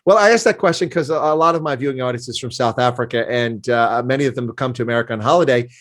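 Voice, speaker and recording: Fast-talking chatty male interviewer. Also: medium pitch. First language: English. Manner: chatty, enthusiastic, laughs often. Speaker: interview host. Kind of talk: casual interview chat.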